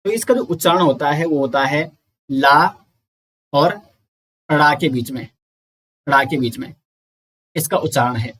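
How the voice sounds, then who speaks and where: A man giving an exam-prep lecture, explaining slowly, repeating sounds and counting aloud. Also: fairly high pitch, a bit bright, a little hiss or hum. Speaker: teacher.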